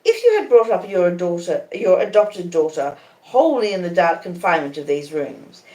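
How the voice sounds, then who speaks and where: A woman voicing a proud, cool young lady in a storybook reading, calmly defiant, with measured and emphatic reasoning. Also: fairly low pitch. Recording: echoey conservatory.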